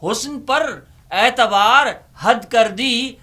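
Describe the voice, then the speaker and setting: A Pakistani man hosting a humorous poetry reading, delivering verses in a theatrical, drawn-out way with repeated lines and banter. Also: extremely high pitch, pushed and bright. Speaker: host reciting humorous Urdu poetry. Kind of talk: dramatic comic poetry recitation with banter.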